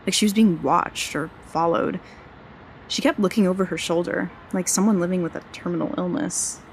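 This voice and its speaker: A woman's voice: fairly low pitch, fairly even intonation, normal speed, a little hiss or hum, natural voice, poor audio. An actor playing an earnest, wry young woman fresh out of journalism school who is investigating a mystery, in a naturalistic audio drama. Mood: reflective. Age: young adult.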